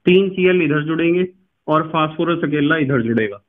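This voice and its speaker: A man with a somewhat high voice teaching a chemistry lesson. He talks patiently, puts questions to the class, answers them himself, and spells terms out slowly. The sound is thin and tinny, like a phone line. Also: lively intonation. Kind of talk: classroom lecture.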